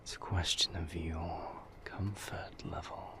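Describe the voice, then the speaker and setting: A man playing a suave, flirtatious vampire in intimate roleplay audio, with breathy half-whispers and formal, silky phrasing. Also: sits low, flat delivery, measured pace. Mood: tender, flirtatious. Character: suave seductive male vampire, indulgent and flirtatious.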